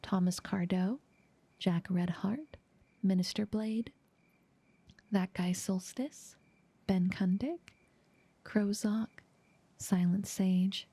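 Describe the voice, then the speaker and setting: Breathy, whispery woman ASMR creator. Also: mid-range voice, takes it slowly, pauses often, warm tone, no echo. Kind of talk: ASMR outro reading thanks.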